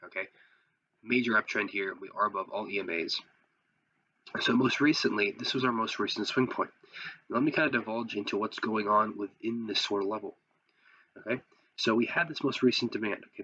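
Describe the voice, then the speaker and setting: A man's voice: lowish voice, sharp tone, muffled recording, slight background noise. A man who sounds sick, giving a casual tutorial as host and explaining things step by step with rhetorical questions. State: sick, voice affected by illness. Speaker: host, trading instructor. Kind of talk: casual tutorial commentary over trading charts.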